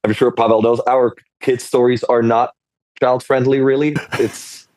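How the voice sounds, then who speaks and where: A Swiss game designer speaks on a casual panel, rambling, frequently cutting himself off and laughing. His mid-range voice is level, measured, and darkish, with a slight hiss or hum.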